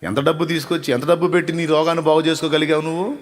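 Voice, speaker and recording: A male pastor preaching a Sunday sermon, emphatic, building to loud repeated phrases and dropping back to quiet asides. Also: a little high, flat delivery, rapid-fire. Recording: echoey hall reverb.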